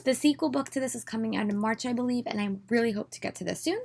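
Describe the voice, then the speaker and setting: A young woman with a slightly hoarse, congested voice, chatting about what she bought in a casual video from her room at home. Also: on the high side, fast, background noise. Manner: chatty, enthusiastic, many "um"s. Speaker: book vlogger.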